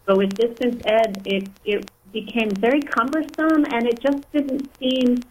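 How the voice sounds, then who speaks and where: A woman's voice: on the high side, steady tone, unhurried, low-quality recording. A woman speaks as a guest on a radio show in a radio studio. She talks casually about teaching, starting and restarting her sentences as she works out her thoughts. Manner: hesitant, restarts sentences often. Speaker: author and writing instructor, guest. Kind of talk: casual radio interview talk.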